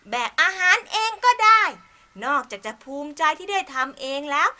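A woman's voice: very high-pitched, very animated, moderate pace, sharp tone, exaggerated voice. A woman voicing a sensible, hardworking young male ant in a children's storybook play, explaining things patiently.

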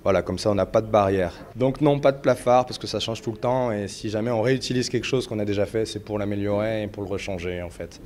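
A man's voice: on the low side, fast, few pauses, a little mellow, a little hiss or hum. A man, a chef, answering interview questions modestly, with many hesitations.

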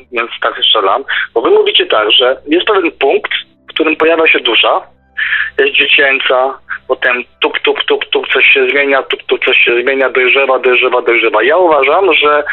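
Male radio discussion guest, middle-aged, fairly high voice, thin telephone sound, halting and repetitive thinker. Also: slightly rough. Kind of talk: casual debate and musing. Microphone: phone or internet call. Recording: tinny phone line, faint music behind.

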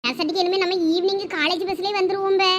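A woman's voice: very high-pitched, fairly even intonation, fast talker, a little hiss or hum. A woman voicing a scared college girl, talking in a jittery, teasing way.

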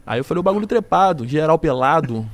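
A man's voice: a little high, expressive, quick pace. A man in his twenties chatting casually as a podcast guest, slangy banter broken by sudden blurted outbursts. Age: 20s.

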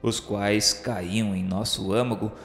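Male narrator, Brazilian accent, solemn and literary, mid-pitched, long roomy reverb over music. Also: fairly even intonation, unhurried. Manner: solemn, formal literary delivery. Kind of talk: scripted audio drama narration of a spiritist novel.

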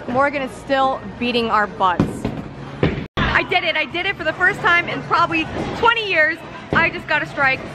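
A woman vlogging with a handheld camera, chatting playfully and narrating a bowling game as she plays. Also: high-pitched. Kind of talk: casual vlog commentary. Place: busy bowling alley, indoors. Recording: loud crowded bowling alley noise. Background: loud crowd and alley noise.

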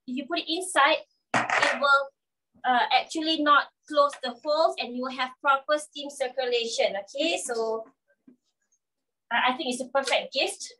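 A woman's voice: high voice, normal speed, background noise. A woman in her thirties with a Malaysian accent gives an informal, instructional cooking demonstration, often checking in with "okay?" and "all right?". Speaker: cooking show presenter demonstrating a kitchen appliance. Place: covered outdoor patio beside a garden. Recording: voice picked up from a distance.

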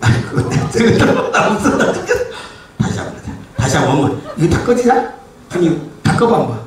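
A man performing live stage comedy, joking crudely with the audience, laughing and shouting at the crowd and the crew. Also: high voice, huge pitch swings, moderate pace. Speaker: pumba street-comedy performer. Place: concert hall stage. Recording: very echoey hall, distant and faintly noisy.

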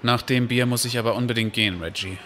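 A man's voice: mid-range voice, fairly even intonation, quick pace, a bit bright, lightly acted. An actor playing a weary, stressed man in an audio drama, terse and matter-of-fact. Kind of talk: German audio drama acting. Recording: clear background ambience.

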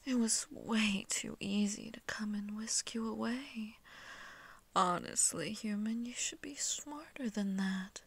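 A woman plays a seductive vampire mistress in an ASMR roleplay. She teases her prey in a condescending, breathy whisper that crackles with fry. The words come unhurried, as if she is savouring a meal. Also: medium pitch, fairly bright tone, no room sound, full character voice. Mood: mocking, seductive. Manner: whispered, slow, teasing, condescending. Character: seductive, haughty, hungry female vampire mistress toying with prey. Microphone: close microphone.

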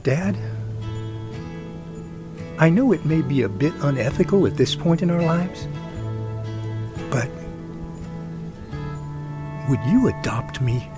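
A sarcastic, earnest young man acted by a man in a radio drama, talking in a wordy, teasing way. His fairly high voice swings around in a very animated way, with music underneath. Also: slow pace, pauses often. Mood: earnest, flustered. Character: sarcastic, flustered, earnest young adult son.

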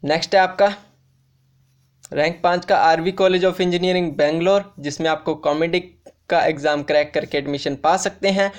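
An education YouTuber with a slightly high voice and steady tone talks at a moderate pace in an informal explainer for students. He speaks straight to viewers, calling them friends, and repeats each fact more than once.

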